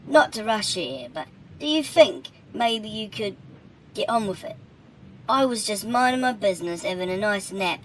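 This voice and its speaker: A man's voice: high voice, a little hiss or hum, pitched above the performer's own voice, lightly acted, poor audio. A man voicing a weary, cheeky male demon with a thick Cockney accent, chatting in a casual, rambling, sweary way.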